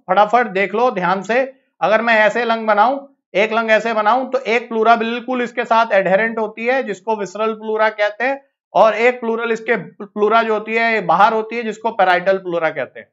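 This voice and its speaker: In a live online exam-prep lecture, a man with an Indian accent teaches biology in a very high, slightly bright voice. He's brisk and coaxing, repeating phrases to hurry his students along, and the lo-fi audio sounds slightly dull.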